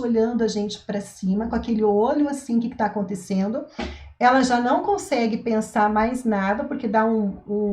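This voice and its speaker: A woman, a mother and parenting coach, explaining to an online audience in an expressive way, often acting out scenes. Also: on the high side. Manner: expressive, acts out scenes, tags sentences with "tá?" and "né?". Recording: echoey room.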